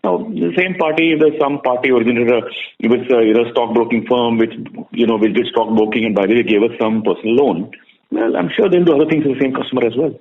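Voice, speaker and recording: A man's voice: mid-range voice, fast, slight background noise. A man with an Indian accent answering analysts on an earnings call as a bank executive, talking conversationally and emphatically, often repeating his words. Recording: muffled narrow-band conference call audio.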